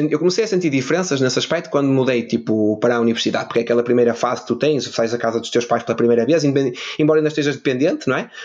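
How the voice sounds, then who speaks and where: Against noticeable background noise, a man talks very fast at a medium pitch with ordinary pitch variation. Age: 40s. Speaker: podcast guest. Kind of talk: casual chat.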